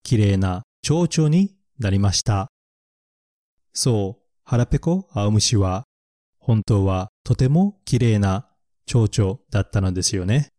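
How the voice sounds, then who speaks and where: Slow, mellow male English teacher. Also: fairly low pitch, expressive, dry recording, clean studio sound. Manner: slow and careful, repeating English words for learners. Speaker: picture-book English teacher. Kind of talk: podcast lesson, reviewing vocabulary.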